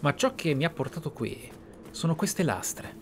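A man's voice: a little high, sing-song, measured pace. Man narrating a game, noisy backdrop. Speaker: gaming channel host. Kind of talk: Let's Play roleplay narration and commentary. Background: video game ambience.

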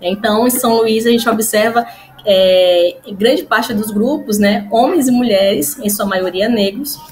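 Brief: woman in her 30s, webcam talk with faint hiss, fairly high voice, lots of "né" fillers. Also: measured pace, darkish tone. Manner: frequent fillers and tag questions, gestures while explaining. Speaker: historian presenting research. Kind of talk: explanatory talk to camera. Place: small room at home. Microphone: webcam or laptop mic, video call framing.

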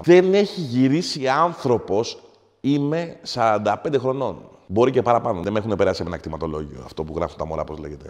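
A man playing a foul-mouthed ranting taverna owner. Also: lowish voice. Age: 40s. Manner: foul-mouthed, ranting, swings from mumbling to shouting. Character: crude middle-aged male taverna owner, hot-headed. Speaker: comedy character. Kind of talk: comic monologue. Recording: long hall reverb.

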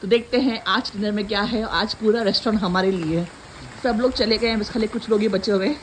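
A woman's voice: mid-range voice, a little fast, a little hiss or hum, low-quality recording. A woman vlogging casually on a phone camera, chatty and playful, exclaiming often as she walks through a market and sits down to dinner. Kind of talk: casual family vlog chat. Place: outdoors at a hill station market and restaurant.

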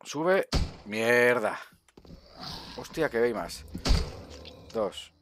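A man's voice: medium pitch, expressive, drawn-out words, background noise. A man with a Spain Spanish accent giving casual gameplay commentary, swearing often and talking to viewers. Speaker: gaming streamer.

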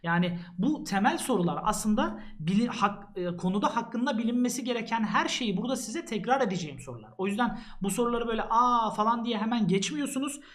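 A man's voice: sits high, lively intonation, fast talker, hardly any pauses. A male math teacher talks students through an exam prep book in an earnest, casual way, addressing them directly as he flips through its pages.

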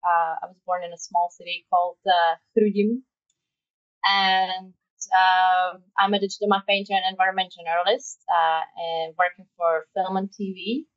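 A woman's voice: fairly low pitch, level tone, normal speed, distant mic, muffled recording. A woman in her twenties from the Czech Republic, speaking English with a Czech accent, chatting casually in a podcast interview, with many fillers and frequent laughs. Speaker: guest, matte painter.

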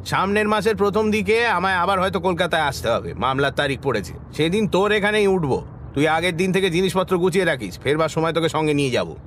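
A man's voice: a little high, animated, fast, fairly bright tone, a little hiss or hum. An actor playing a good-natured, insistent middle-aged village man chatting familiarly with an old friend in an audio story. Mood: coaxing, insistent.

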